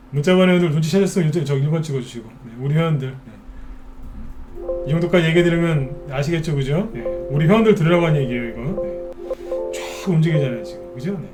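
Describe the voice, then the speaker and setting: Man giving fast-talking stock commentary. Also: on the high side, warm tone. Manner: rhetorical questions, mimics worried investors. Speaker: stock market expert host. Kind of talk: casual stock commentary broadcast.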